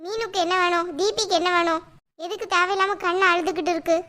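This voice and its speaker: A woman voicing a stern, sarcastic schoolteacher in a cartoon, with a bright, high voice pitched lower than her usual. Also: fairly even intonation, quick pace. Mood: scolding. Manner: sharp, scolding, sarcastic. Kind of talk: cartoon voice acting.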